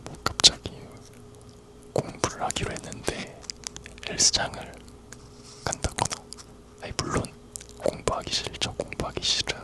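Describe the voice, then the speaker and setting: A person whispering a casual, rambling ASMR chat in a soft, unvoiced whisper. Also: measured pace, long pauses, low-quality recording. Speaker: ASMR video creator.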